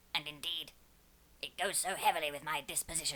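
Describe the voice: This is a put-on character voice, squeaky in sound. It moves at a moderate pace.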